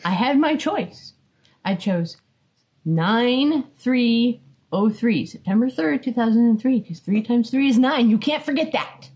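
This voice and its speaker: A woman's voice: on the high side, animated, a little slow, a little mellow. A woman of thirty-eight talking casually as an interview guest, with a dry, teasing way of speaking. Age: 30s. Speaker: guest, host's wife.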